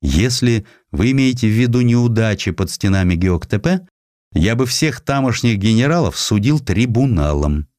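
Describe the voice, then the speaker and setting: A man's voice: fairly low pitch, animated, normal speed, darkish tone, no room sound, studio quality, lightly acted. A man playing a blunt, passionate and headstrong Russian general in a dramatized audiobook. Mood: indignant. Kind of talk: audiobook character acting.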